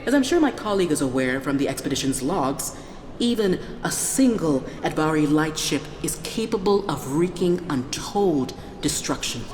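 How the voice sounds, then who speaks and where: Firm Prime Minister, deep register, composed, formal, reverberant chamber, audio drama. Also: female voice, lively intonation, darkish tone. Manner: measured, formal, resolute. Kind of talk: sci-fi audio drama parliamentary speech. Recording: echoey hall, music behind.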